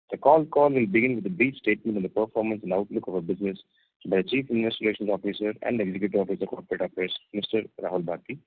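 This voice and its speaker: A man's voice: fairly low pitch, slightly rough, no echo. A man formally reading a scripted introduction as moderator of a conference call. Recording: narrow, tinny phone line.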